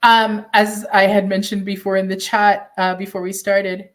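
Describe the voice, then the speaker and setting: A woman from Canada, a guest on an interview, answering in an earnest, proud, measured way with pauses. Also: medium pitch, level tone.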